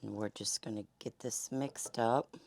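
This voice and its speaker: A woman host with a Southern accent and a hoarse, fading voice, chatting folksily through a home cooking demonstration. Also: rumbling low, fairly even intonation, a little slow, darkish tone, dry recording. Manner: chatty, folksy, many fillers. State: hoarse, losing her voice. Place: home kitchen.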